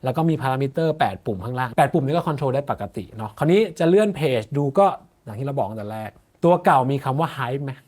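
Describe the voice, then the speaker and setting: A man's voice: medium pitch, expressive, fast, hardly any pauses, darkish tone. A man explaining a guitar effects unit step by step in a casual, eager demo chat at a music shop. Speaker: gear reviewer.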